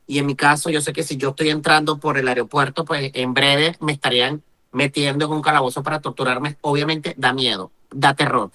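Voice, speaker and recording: Male journalist, interview guest; bright, pressing delivery, asks himself rhetorical questions. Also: on the high side. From Venezuela. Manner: emphatic, rhetorical questions, tag questions like "¿vale?". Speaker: journalist and human rights activist, interview guest. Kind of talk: impassioned interview answer.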